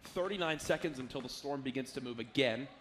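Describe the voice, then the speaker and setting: A man's voice: medium pitch, brisk, fairly bright tone. A man working as an esports caster, giving live commentary on a battle royale game and explaining tactics to viewers. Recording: noisy live event with game gunfire.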